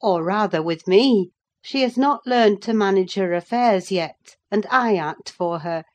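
A woman voicing a brisk, kindly middle-aged housekeeper, speaking higher and livelier than her narration in a storybook reading. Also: darkish tone, lightly acted. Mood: welcoming.

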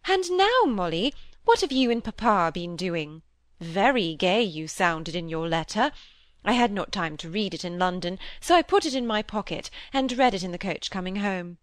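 A woman's voice: mid-range voice, lively intonation, no room sound, clean studio sound, lightly acted. A woman reading aloud and voicing a vain, chattering middle-aged stepmother who gushes and fusses. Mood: gushing. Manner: gushing, fussy, quick to dismiss. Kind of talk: audiobook character voice.

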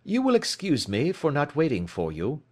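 A man reading aloud, voicing Sherlock Holmes as a keen, brisk detective in a crisp, emphatic, declamatory way. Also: fairly high pitch, huge pitch swings, voice pushed up. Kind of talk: audiobook character reading.

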